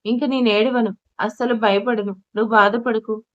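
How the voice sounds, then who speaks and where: A captive young wife, tearful but determined, promising her husband she will not be afraid, as a woman storyteller reads her in a fairly high voice. It is an audio storybook reading on a muffled, lo-fi recording. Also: fairly even intonation, normal speed, close to an everyday voice. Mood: tearful resolve. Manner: pleading, resolute. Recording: dull lo-fi recording.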